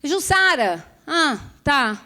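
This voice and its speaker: A woman voicing a cheerful, chatty female friend on the phone, bubbly and talking in rapid bursts. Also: sits high, big pitch swings, pushed and bright, voice pushed up, full character voice. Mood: chirpy.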